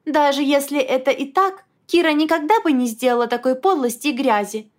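A woman voicing an alarmed, fiercely loyal young female friend in an audiobook, in a shrill, excited, indignant manner. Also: unhurried. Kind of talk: audiobook character voice.

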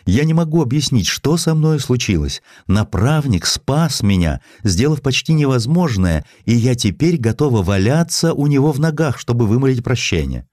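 A distraught opera diva, acted out by a male narrator in an audiobook, pleading and full of remorse. The pitch climbs well above the reader's usual and swings widely, with tearful, exalted feeling in a dry recording. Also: big pitch swings, normal speed, hardly any pauses, darkish tone, no echo, natural voice.

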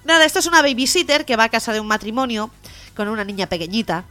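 A woman co-hosting a local radio comedy show with a Catalan Spanish accent, telling jokes with lively acted-out voices. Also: on the high side, fast talker. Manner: lively joke-telling, acting out the lines of the joke characters. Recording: radio show with faint music behind.

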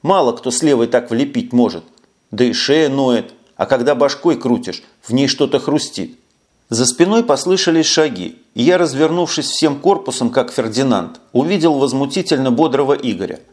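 A man narrates a first-person novel for an audiobook. His delivery is wry and conversational. His pitch sits in an ordinary middle range. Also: animated, moderate pace, a little mellow.

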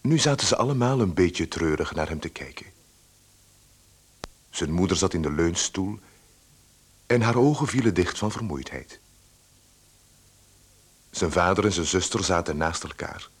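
A man with a husky voice reading calm, detached literary narration for a radio play. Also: low-pitched, a little slow, long pauses, exaggerated voice. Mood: calm, sombre. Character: calm, detached male storyteller.

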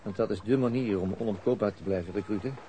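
Man acting a sardonic police detective, lowish voice, self-mocking, awkward, radio play, some background noise. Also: fast talker, dark tone, natural voice. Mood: sardonic musing. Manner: dry, sardonic, hesitant when talking. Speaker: actor in a radio crime drama. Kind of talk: radio drama dialogue and ironic inner monologue.

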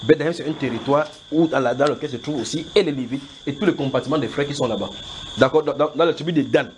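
A man's voice: mid-range voice, fast talker. Cameroonian man teaching, noisy recording. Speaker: Bible teacher answering questions. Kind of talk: informal Bible teaching, question and answer. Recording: clearly noisy amateur recording.

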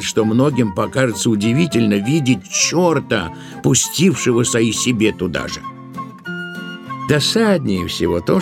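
A man narrating a literary tale for an audio play in an expressive, deliberate way, drawing out certain words. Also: mid-range voice, vocal fry. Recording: music behind the voice. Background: musical accompaniment.

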